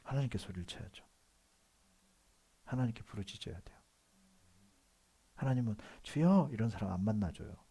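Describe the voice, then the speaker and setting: A male pastor with a Seoul accent preaching a sermon in a conversational way, moving between quiet asides and loud emphatic outbursts. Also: on the low side, a little fast, vocal fry, long pauses, breathy edge. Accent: Seoul Korean. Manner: conversational preaching with frequent affirming "yes" asides.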